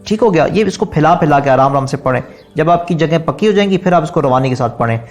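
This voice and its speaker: A man with a Pakistani Urdu accent teaching an online naat singing lesson, politely explaining, counting repetitions aloud and singing drawn-out phrases. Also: a little high, expressive, soft background music.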